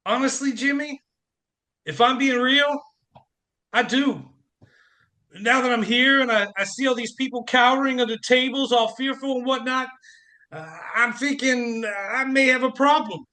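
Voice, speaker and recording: A man's voice: extremely high pitch, unhurried, bright, forceful tone, exaggerated voice. An actor playing a volatile, self-pitying jilted man in a comic radio play, agitated and stammering. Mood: sheepish. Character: volatile, desperate jilted man, ex-chorus performer turned hostage-taker.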